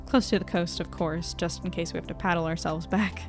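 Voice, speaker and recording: A woman's voice: lowish voice, fairly even intonation, brisk, over music, natural voice. A woman playing a curious, self-doubting young journalist in an audio drama, earnest and conversational. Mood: reflective. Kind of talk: audio drama acting and diary narration.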